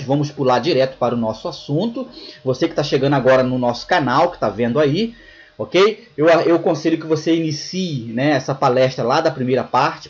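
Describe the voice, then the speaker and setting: A Brazilian man with a Brazilian Portuguese accent gives a casual online slide lecture in a mid-range voice, with the highs cut off in the audio. He keeps checking in with listeners using "tá bom?" and "né".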